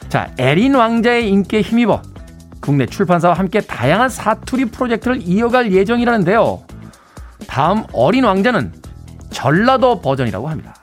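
A man's voice: high-pitched, big pitch swings, moderate pace, faint music behind. A man hosting a radio show, chatting in a friendly way and reading out listener messages from a studio. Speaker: radio host. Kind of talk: radio DJ talk.

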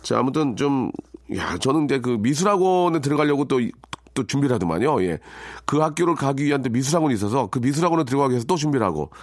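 A middle-aged man hosts a radio show from a studio mic, reading out listener messages and riffing on them with wry asides. His pitch swings widely as he talks, and the sound is dry and close with no room echo. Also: expressive, quick pace. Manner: chatty, frequent "yes" fillers, wry asides. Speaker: radio DJ host. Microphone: studio microphone.

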